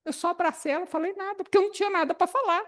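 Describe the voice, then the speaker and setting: Animated high-voiced woman teaching. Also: very fast. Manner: animated, expressive, laughs often. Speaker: study group leader. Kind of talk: spiritist Bible study talk.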